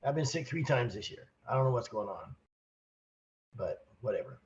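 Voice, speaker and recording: A man co-hosting a casual podcast, hoarse from a cold, telling a rambling, animated story with many restarts. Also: mid-range voice, normal speed, lo-fi sound, a little hiss or hum. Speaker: podcast co-host, sales manager.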